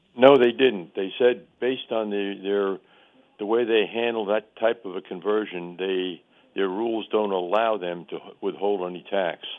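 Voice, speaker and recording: A man's fairly low voice at a moderate pace, with fairly even intonation and big swings in loudness. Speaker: caller. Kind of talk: radio call-in. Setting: phone call. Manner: halting.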